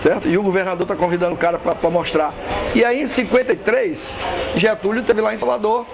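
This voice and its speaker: A man's voice: sits high, fairly quick, vocal fry, highs cut off. A man who teaches capoeira, speaking in a casual interview, emphatic and blunt, swearing freely. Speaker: capoeira master. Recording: street traffic noise behind.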